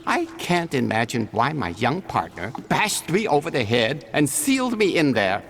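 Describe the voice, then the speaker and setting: A man's voice: medium pitch, very animated, moderate pace, gravelly, over music. An actor playing an eccentric, cheerful old male jeweler in a video game, stammering and chuckling as he talks. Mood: chuckling, eager. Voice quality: giggly, stammering, fussy.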